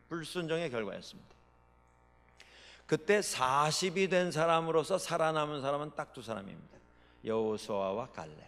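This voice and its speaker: A male pastor preaching a sermon, with dramatic swings between loud proclamations and quiet asides. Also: a little high, lively intonation, normal speed, creaky. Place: church sanctuary. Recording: long reverb of a large hall.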